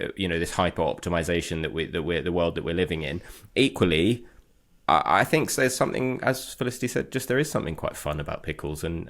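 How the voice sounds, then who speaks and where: A man's voice: deep voice, a bit bright. A man on a news podcast panel, talking in a rambling way and stumbling over his words. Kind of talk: casual chat.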